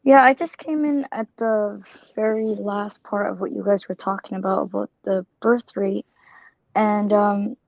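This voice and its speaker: A woman's voice: mid-range voice, steady tone, a little slow, creaky, a little mellow, no echo. A woman from Somalia speaks up in a casual online discussion. She talks earnestly and rambles, restarting her sentences. Her voice comes through a muffled, dry call connection. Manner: rambling, self-correcting, earnest. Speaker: caller.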